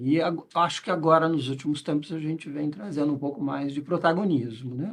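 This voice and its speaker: At a fairly quick pace, a man talks in a fairly high, somewhat breathy voice with ordinary pitch variation. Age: 60s. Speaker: organizational consultant, psychologist. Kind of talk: podcast interview. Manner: hesitant, many fillers.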